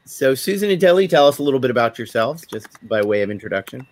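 A man's voice: medium pitch, sing-song, quick pace. A man hosting a casual podcast over a video call, chatting with guests in a wry, lightly joking way. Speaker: podcast host. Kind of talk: casual chat, introducing guests.

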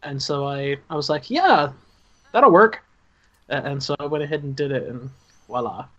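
A man's voice: fairly high pitch, normal speed. Southern man with a lo-fi sound. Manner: relaxed, laughs often, restarts words. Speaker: writer and director. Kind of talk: casual commentary chat. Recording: dull lo-fi sound.

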